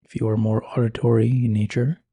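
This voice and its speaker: A man speaking slowly and gently with long pauses, guiding a meditation in a soft, breathy voice. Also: medium pitch, little pitch movement, no echo. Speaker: meditation guide. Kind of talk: guided meditation.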